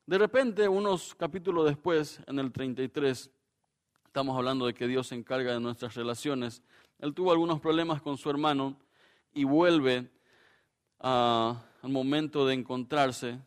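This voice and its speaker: A man preaching a sermon as a pastor, acting out quoted voices and swinging between loud bursts and soft, hushed lines. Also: mid-range voice, moderate pace.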